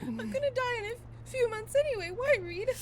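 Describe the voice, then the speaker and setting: Woman acting distraught, very high-pitched tearful friend. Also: expressive, fast, slight background noise. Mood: guilty, anguished. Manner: stammering, sobbing, protesting. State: crying. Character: distraught young woman, loyal, stubborn, grieving friend. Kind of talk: audio drama acting.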